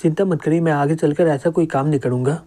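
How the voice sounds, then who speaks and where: A man's voice: fairly high pitch, quick pace, warm tone, lightly acted. Man voicing a cowardly young boss who pleads and grovels. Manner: pleading, fearful.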